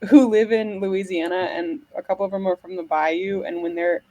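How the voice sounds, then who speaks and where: A woman's voice: mid-range voice, fairly even intonation, fairly quick, dark tone. An American woman hosting a casual chat, rambling with many fillers. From United States. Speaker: podcast host.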